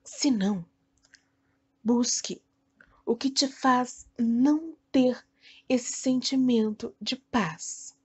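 A Brazilian woman leading a guided meditation in a soothing, deliberate way, speaking in short phrases with long pauses. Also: on the high side, darkish tone, breathy edge, muffled recording. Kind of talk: guided meditation, self-hypnosis narration.

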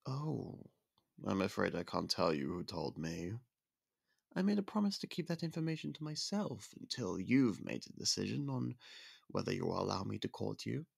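Young royal suitor, male, deep and fry-laden, soft-spoken and courteous, dry close-mic ASMR read, voiced by a man. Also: lively intonation, normal speed, dry recording, exaggerated voice. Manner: polite, formal, soft-spoken courtship talk. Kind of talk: ASMR roleplay.

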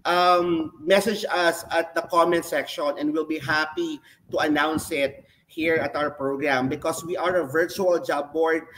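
A man's voice: on the high side, fairly even intonation, a little slow, hardly any pauses, fairly bright tone, poor audio. A man with a Filipino accent hosting an online HR webinar over a video call, switching between English and Filipino in an announcer-like way. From Philippines. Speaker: host.

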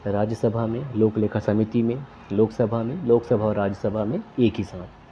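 A man's voice: lowish voice, level tone, moderate pace, warm tone, muffled recording, slight background noise. A man working through exam questions, reading each question and its options aloud before naming the answer. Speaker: quiz tutor.

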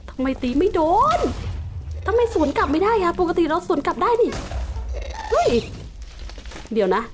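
A woman's voice: extremely high pitch, very animated, normal speed, music in the background. A Thai woman playing Minecraft and commenting as she goes, mixing playful mock-villain taunts with polite explanations of the game. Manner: polite sentence endings, explains game facts. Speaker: gaming YouTuber.

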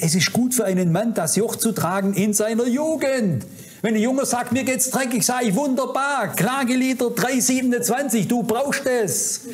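Fervent high-voiced male preacher. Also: a little mellow. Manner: fervent, admonishing, addresses audience directly. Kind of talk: sermon. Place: conference hall.

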